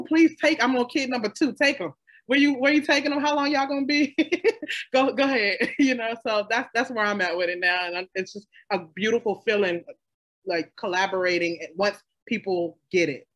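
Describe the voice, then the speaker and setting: A woman's voice: mid-range voice, a little fast. Emphatic woman creator, casual panel talk. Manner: emphatic, colloquial, animated asides. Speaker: audio drama creator.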